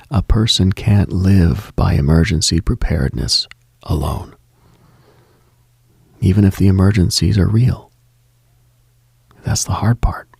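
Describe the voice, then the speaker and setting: A low-voiced man hosting a late-night broadcast, his delivery slow and measured. His husky, gravelly tone often falls to a breathy whisper as he moves through short contemplative lists. The sound is close and dry, with no room around it. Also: darkish tone, no room sound. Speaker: late-night radio host.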